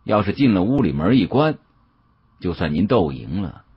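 A man with a husky voice narrating an audiobook story in a dramatic storytelling style. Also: low-pitched, big pitch swings, normal speed, highs cut off.

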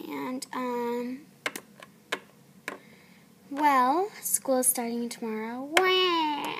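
A young woman with a runny nose, chatting casually and hesitantly in a homemade audition video. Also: fairly high pitch. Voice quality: stuffy, runny-nosed. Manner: halting, hesitant. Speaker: amateur voice actor auditioning on video. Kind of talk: casual vlog chat. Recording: noisy home camera recording.

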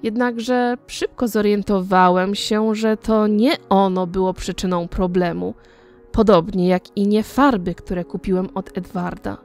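A woman narrating a gothic audiobook in a measured, deliberate way. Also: medium pitch, fairly even intonation, darkish tone, soft background music.

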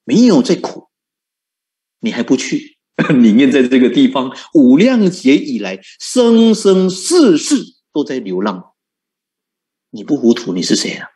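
Lively, animated male Buddhist preacher. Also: mid-range voice, measured pace. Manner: rhetorical questions, lively and coaxing, chuckles often. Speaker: Buddhist monk teaching. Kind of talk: sermon.

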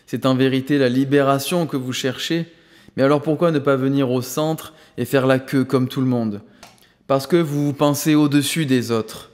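A man voicing a calm, commanding male spiritual master who speaks solemnly and firmly. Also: medium pitch, long reverb tail, natural voice. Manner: solemn, firm and measured.

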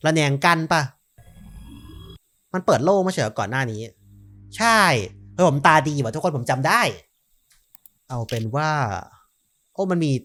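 A man with a fairly high voice gives relaxed, running commentary on a horror game. He talks to his viewers in a loose, chatty way as he plays. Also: normal speed, long pauses. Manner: chatty, talks straight to viewers while playing. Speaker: gaming channel host.

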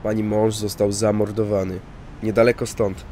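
A man's voice: lowish voice, level tone, normal speed, warm tone, slight background noise, natural voice. A man voicing an earnest young male police officer who talks matter-of-factly. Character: young male beat cop, plain and earnest.

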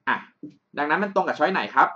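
On a screen recording, a male math tutor works through a problem patiently and methodically, explaining step by step and often checking that the listener follows. His voice sits a little high for a man, with a sharp tone and quick pace. The audio is dull and lo-fi, like a cheap desktop mic.

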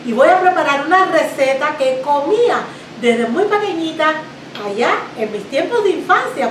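A middle-aged Cuban woman with a Cuban Spanish accent hosts a home cooking demonstration in her kitchen, chatting warmly and using fond little diminutives. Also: high-pitched. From Cuba. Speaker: cooking show host. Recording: roomy kitchen echo, faint background noise.

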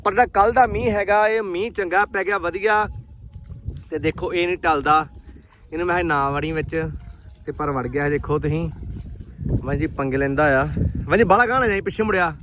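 A man's voice: sits high, a little fast, fairly bright tone. A man from Punjab, India, talking casually to his viewers as friends while vlogging outdoors in farm fields on a handheld phone. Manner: chatty, talks straight to viewers as friends. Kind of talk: casual vlog chat. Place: outdoors in rural farm fields, on a motorbike and walking. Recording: outdoor phone audio with clear wind and field noise.

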